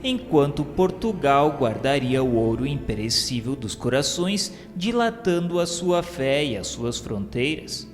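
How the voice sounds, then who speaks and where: A Brazilian man narrates a radio serial with solemn, declamatory formality. His pitch is average and his pace is slow and measured. The voice rings with long reverb over clearly audible instrumental music. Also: very animated. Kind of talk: solemn scripted audiobook-like narration of a literary text.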